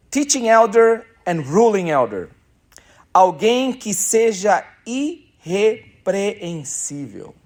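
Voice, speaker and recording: Man preaching with lively pitch. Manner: conversational, emphatic preaching with rhetorical questions. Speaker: pastor. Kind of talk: sermon. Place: church.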